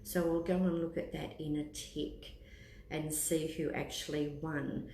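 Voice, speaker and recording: Her voice is deep and mellow, her delivery flat and unhurried. She is an Australian-accented woman in her fifties, a tea room host and psychic palm and tea leaf reader, casually chatting with live stream viewers while thinking aloud in a hesitant, rambling fashion. The audio has a roomy echo and clear background noise.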